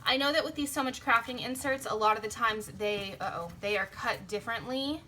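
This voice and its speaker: Bright, chatty young woman vlogging. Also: on the high side, brisk, a little hiss or hum. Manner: chatty, rambling, self-interrupting. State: early-morning tired, voice slightly strained. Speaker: planner vlogger and sticker shop owner. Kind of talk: casual plan-with-me chat. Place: home craft desk, indoors. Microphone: phone camera overhead. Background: printers running.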